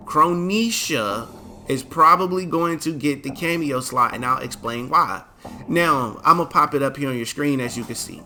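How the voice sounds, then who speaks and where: A man's voice: on the high side, pushed and bright. A man hosting a casual gaming video, chatting in a laid-back, slangy way while sleepy and stifling yawns. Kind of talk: casual commentary to camera.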